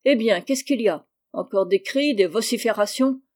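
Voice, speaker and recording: Woman doing a bullying schoolmaster, loud, blustering, mellow tone. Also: on the high side, normal speed, lightly acted. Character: stern bullying male schoolmaster. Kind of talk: audiobook reading.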